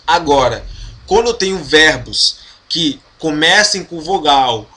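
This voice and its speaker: Male language teacher, slightly high voice, slow, patient lesson delivery. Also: animated, sharp tone. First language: Portuguese. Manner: slow, patient explaining with frequent check-ins. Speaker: French teacher.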